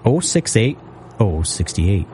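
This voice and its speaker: A man calling bingo numbers on local radio, repeating each one slowly and steadily. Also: fairly low pitch, big pitch swings, a little mellow, slight background noise.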